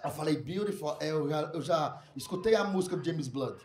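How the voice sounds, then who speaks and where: A man doing a crude, animated stand-up comedy set, slipping into mock foreign voices as he tells his story. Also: on the high side, fairly quick. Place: comedy club stage with a live audience. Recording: echoey room, loud crowd laughter.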